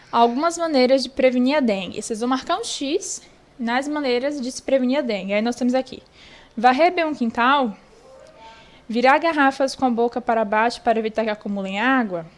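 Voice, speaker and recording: A young woman with a Brazilian Portuguese accent, teaching an online lesson and patiently going through a worksheet, repeating key points for children. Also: high-pitched.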